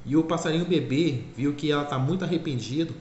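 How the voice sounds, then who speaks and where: A man's voice: a little high, fast talker, a little mellow, lo-fi sound. A man casually retelling a cartoon's plot in a rambling way, often correcting himself. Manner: rambling, self-correcting, repeats "é claro". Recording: echoey room, faint ambient noise.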